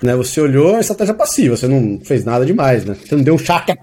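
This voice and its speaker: Relaxed Brazilian-style chatty man, mellow tone. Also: medium pitch, racing, husky. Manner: chatty, explains with examples, many "né?" tags. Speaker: acting teacher and course creator. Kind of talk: casual podcast interview.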